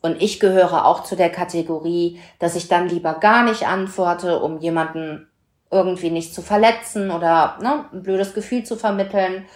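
A woman chatting casually on a podcast, telling a story in an animated way and acting out the dialogue. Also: fairly low pitch, moderate pace, echoey room.

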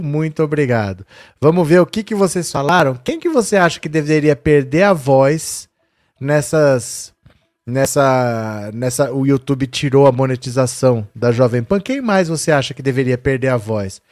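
A man's voice: medium pitch, a little mellow, dry recording, studio quality. A man hosting a live show, teasing and upbeat, inviting listeners' voice messages. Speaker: host of a live political show, called professor.

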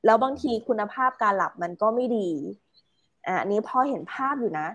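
A woman talks through an idea in a relaxed conversational way. Her voice sits at a middle pitch. She pauses with fillers and drops in English words. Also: low-quality recording. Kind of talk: casual explanatory chat.

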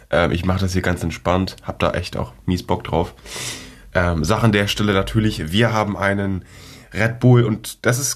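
A teenage boy with a fairly low voice rambles casually into a close podcast mic. He is sick with a cold, so his talk comes with coughs and a congested edge. His chat is loose and slangy, full of fillers and side remarks. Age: teens. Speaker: podcast host.

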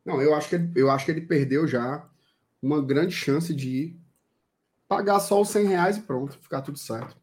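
A man's voice: a little high, moderate pace, a little mellow. Joking man, mock-grumpy banter. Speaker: podcast co-host. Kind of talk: casual live-stream chat.

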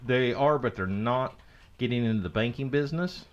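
A man's voice: medium pitch, a little fast, highs cut off. A man co-hosting a podcast, chatting casually about tech news in a sarcastic, joking way. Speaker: podcast co-host.

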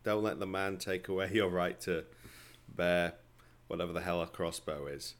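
A man's voice: sits low, moderate pace. A man co-hosting a casual news chat, full of playful, sarcastic banter. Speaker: podcast co-host.

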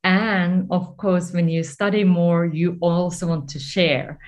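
A middle-aged woman with a Finnish accent answers interview questions in an earnest, personal way. Her voice sits fairly low, and she takes her time with unhurried phrasing. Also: fairly even intonation, a little mellow. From Finland. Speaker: podcast guest, coach.

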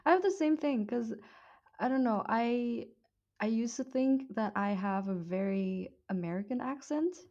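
A woman's voice: a little high, measured pace, darkish tone, highs cut off. A woman with a Vietnamese accent, chatting with her co-host on a podcast and laughing easily. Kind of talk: casual chat.

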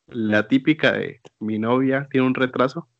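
A man's voice: medium pitch, fairly even intonation, a little slow, creaky, no echo. Male host, teasing banter, dry close sound, a bit muffled. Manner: joking, teasing. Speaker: podcast host. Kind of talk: casual chat.

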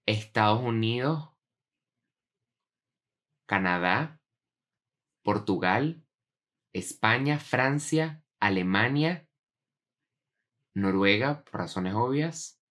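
A man's voice: medium pitch, lively intonation, drawn-out words, pauses often, fairly bright tone. A young man, bantering in casual slang as a podcast co-host. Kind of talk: casual chat.

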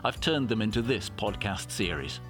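A man with an English accent, narrating a hiking podcast in a measured, conversational way. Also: on the low side, lively intonation, soft background music. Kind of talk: documentary narration and travel diary.

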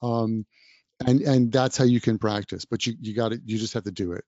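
Speaking fairly quickly in a lowish, mellow voice with fairly even intonation, this English teacher gives the listener direct, encouraging podcast advice. There's no echo, and the sound is dull, dry and a little lo-fi.

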